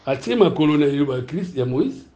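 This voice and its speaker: Congolese-accented male preacher, high voice, lively teaching sermon, keeps checking the room understands, roomy echoing hall. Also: brisk, lo-fi sound. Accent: Congolese French. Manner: animated, asks the room if it is clear, laughs between points. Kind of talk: sermon mixing teaching and questions to the congregation.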